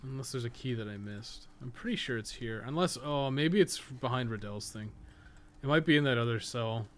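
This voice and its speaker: Talking at a normal speed in a mid-range, fairly bright voice, this man offers loose, wandering commentary on a game as he plays it live, swearing often and voicing his thoughts. He streams games and co-hosts a podcast, and the audio is noticeably noisy.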